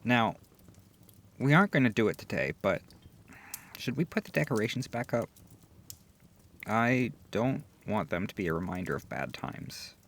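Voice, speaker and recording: A man playing a gentle, affectionate boyfriend in an intimate ASMR comfort roleplay, speaking softly, tenderly and reassuringly. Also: on the low side, very animated, heavily acted. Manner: soft, tender, unhurried, reassuring.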